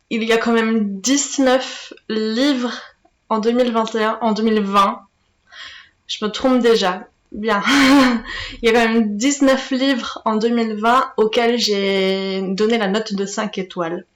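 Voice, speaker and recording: Chatty higher-voiced woman in an echoey room. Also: fairly even intonation, slow. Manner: chatty, hesitant, many fillers and restarts. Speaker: booktuber. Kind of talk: casual book review vlog.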